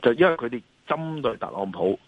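A man's voice: medium pitch, expressive, brisk, no room sound. A man with a Hong Kong accent giving off-the-cuff market commentary as an interview guest, emphatic and often checking for agreement with rhetorical questions. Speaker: financial analyst and columnist, guest. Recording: dull lo-fi remote call line.

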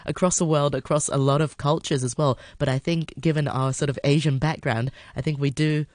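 A man hosts the interview, asking questions in a thoughtful, hesitant way with frequent restarts. His voice is fairly high for a man and sounds close and dry. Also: fairly even intonation, brisk, no echo.

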